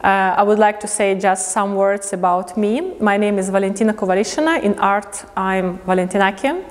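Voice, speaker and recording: An artist from Riga, Latvia, whose first language isn't English, gives a prepared lecture in English in an indoor museum lecture space. Her mid-range voice is halting as she pauses to find words, and the recording carries the echo of a long, reverberant hall.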